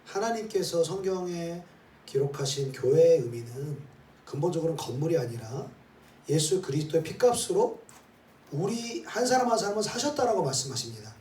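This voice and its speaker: A man's voice: on the high side, expressive, normal speed, dark tone. A man, a pastor, preaching a sermon and leading his congregation through scripture, peppering his points with rhetorical questions and "eh?" tags. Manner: leads the congregation in reading scripture aloud. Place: church sanctuary. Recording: roomy hall, voice from some distance, faint ambience.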